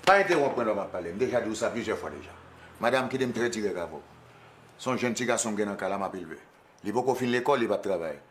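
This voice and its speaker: A man's voice: lowish voice, slight background noise, lightly acted. An actor playing a formal, defensive father in a film. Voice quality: formal, measured speech.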